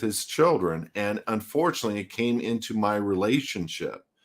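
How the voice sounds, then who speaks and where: A man with a fairly low voice and ordinary pitch variation speaks on a very clean recording with a silent background. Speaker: podcast host. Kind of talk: casual chat. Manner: loud; animated.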